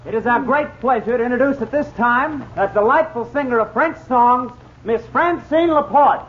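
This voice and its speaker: A woman's voice: a little high, normal speed, natural voice. A performer, a woman, playing a nightclub announcer in a radio drama, making a formal stage introduction. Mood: showy. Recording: muffled, noisy old radio recording.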